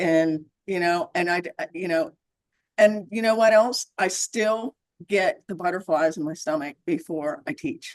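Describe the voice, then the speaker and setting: A woman with an ordinary speaking voice talks at a fairly slow pace in a medium pitch with lively intonation, the sound dry and close with no echo. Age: 60s. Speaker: fitness instructor. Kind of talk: casual chat.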